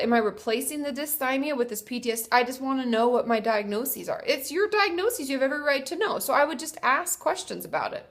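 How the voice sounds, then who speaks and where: A young woman with a congested, stuffy voice, tired from a cold, talking casually as a therapist answering viewer questions. Her voice sits a bit higher than most, and her delivery is friendly and explanatory. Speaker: therapist and video host. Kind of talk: casual advice talk to camera.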